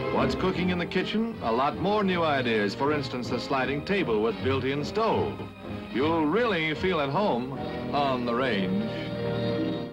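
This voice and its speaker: Clear music in the background under a man's fairly slow pace. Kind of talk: 1950s newsreel narration. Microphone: old recording.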